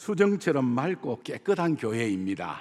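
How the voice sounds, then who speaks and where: A man talks at a very slow pace in a strong Gyeongsang accent. His pitch swings very widely. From Gyeongsang province, Korea. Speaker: visiting pastor, prison ministry. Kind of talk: sermon. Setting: church.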